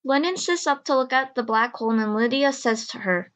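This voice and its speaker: A woman's voice: fairly high pitch, fairly quick, fairly bright tone. A woman reading scripted story narration as the narrator of an audio drama.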